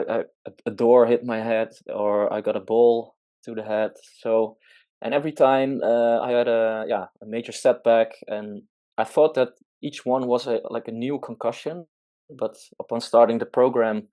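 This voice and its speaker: A man's voice: mid-range voice, a little mellow. Hesitant man asking a question. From Amsterdam. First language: not English. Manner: halting, many ums and restarts.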